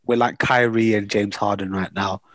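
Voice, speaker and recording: Excitable guy, english not his first language, co-hosting a sports pod, dry close sound, lots of uhs. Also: lowish voice, moderate pace, dry recording. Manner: excitable, joking, hesitant with fillers. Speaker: podcast co-host. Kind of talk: casual sports chat. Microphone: video call.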